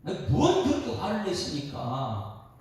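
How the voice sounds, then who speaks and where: A man's voice: fairly high pitch, wildly swooping pitch, a little slow, exaggerated voice. A man preaching voices Moses as a bewildered man pleading with an angry God. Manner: pleading, placating. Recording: echoey sanctuary from far off.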